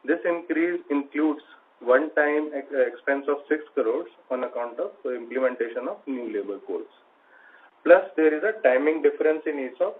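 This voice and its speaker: A man's voice: fairly high pitch, normal speed. A man with an Indian accent, speaking as a finance chief and reading through a prepared financial report. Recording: noisy phone-like conference line.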